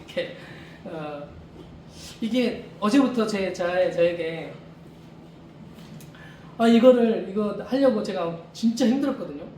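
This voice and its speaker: A man's voice: high voice, animated, a little slow, long pauses, warm tone. A man preaching an informal sermon as a missionary, talking conversationally, repeating rhetorical questions, chuckling and restarting his sentences, in a church during a service. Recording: echoey room, far mic, faint noise.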